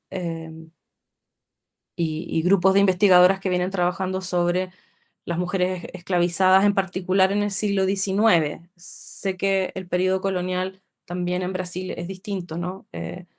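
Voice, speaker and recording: A woman giving an academic lecture over a video call, pausing with fillers and tag questions. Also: lowish voice, level tone, vocal fry. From Chile. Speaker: guest lecturer.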